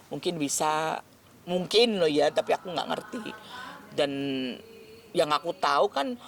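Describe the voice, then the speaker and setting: A woman, answering interview questions earnestly and haltingly, often restarting words. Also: deep voice, vocal fry. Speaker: celebrity guest being interviewed. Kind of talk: emotional interview talk.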